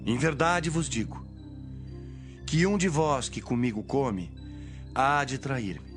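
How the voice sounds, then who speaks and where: Casting: a man to play a grave, authoritative holy teacher in Bible audio drama, mid-pitched, measured, declamatory, with background music. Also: animated. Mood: grave, prophetic.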